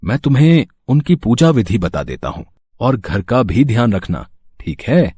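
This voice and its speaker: An actor playing a devout, kindly village farmer and father, speaking slowly and tenderly with a husky voice. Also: medium pitch, big pitch swings, dark tone, no echo. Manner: slow, tender, reverent speech. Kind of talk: dubbed devotional story acting.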